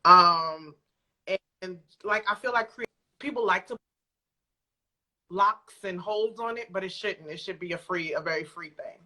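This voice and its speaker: Female guest, bright forceful tone, informal, reflective, halting delivery, casual remote interview. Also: fairly low pitch, poor audio. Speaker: guest, audio drama creator. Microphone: remote video call.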